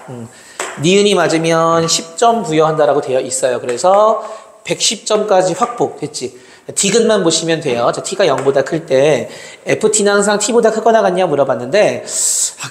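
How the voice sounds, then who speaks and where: A male math tutor working through exam problems step by step, talking calculations aloud and checking in with his students. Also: on the high side. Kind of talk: exam problem walkthrough lecture. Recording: roomy reverb, faint noise.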